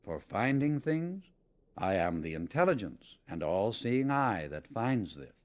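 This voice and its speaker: A man narrating a scripted spiritual audiobook in a measured, emphatic, instructional manner. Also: lowish voice, very animated.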